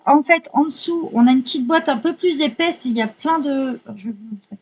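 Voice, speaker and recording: A woman chatting casually while unboxing art supplies, excitable, swearing lightly and apologizing often. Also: high-pitched, fairly quick, low-quality recording.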